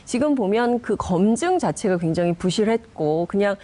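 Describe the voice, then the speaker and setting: A woman's voice: medium pitch, animated, normal speed, mellow. A woman giving political analysis on a discussion panel, explaining in long chained sentences. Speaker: panel commentator. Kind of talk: political news analysis in conversation.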